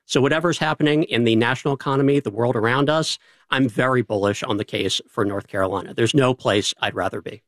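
A man's voice: mid-range voice, no room sound. New York–accented male economist. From New York City. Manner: articulate, deliberate, uses rhetorical questions. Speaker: state economist, panel guest. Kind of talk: measured expert explanation.

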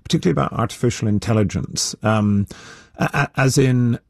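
A man's voice: mid-range voice, a little fast, creaky, a little mellow, no echo, clean studio sound. A man on the panel as a guest, speaking in a hesitant, self-deprecating way and stumbling over his words.

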